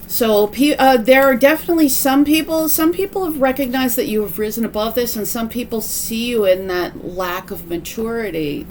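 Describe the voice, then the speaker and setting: A woman's pitch swings very widely while noticeable background noise carries on behind her. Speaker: tarot reader. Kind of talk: pick-a-card tarot reading. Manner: halting, many fillers and restarts.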